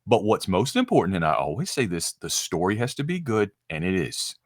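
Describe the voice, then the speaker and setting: A man with a fairly low voice co-hosts a casual review chat. He sounds eager and excited, stumbling over his words and repeating himself. The sound is dry and close, with little room around it. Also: a little fast, no echo. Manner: eager, stammering, with many fillers. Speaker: podcast co-host.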